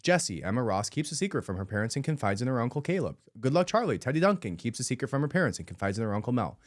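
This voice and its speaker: A podcast host delivers an emphatic, indignant commentary monologue, repeating his points for emphasis. His mid-range voice swings widely in pitch at a rapid-fire pace, captured in a dry, clean studio recording.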